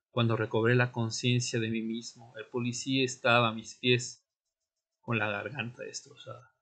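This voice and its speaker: A man playing a tormented young vampire, narrating an audio drama in the first person with solemn, deliberate, dramatic pauses. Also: medium pitch, fairly bright tone, slightly rough. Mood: haunted, somber. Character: Fernando, tormented newly turned male vampire recounting his death. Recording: music bed under the voice.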